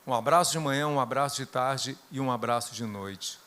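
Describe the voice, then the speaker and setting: A middle-aged man with a Brazilian Portuguese accent preaches through personal stories. His voice sits at an ordinary pitch, climbing to loud bursts and then sinking to hushed, quiet tones. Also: brisk. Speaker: guest preacher.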